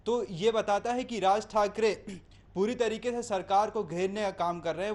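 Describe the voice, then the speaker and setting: Man, high-pitched voice, news correspondent, unscripted live report, hesitant winding explanations.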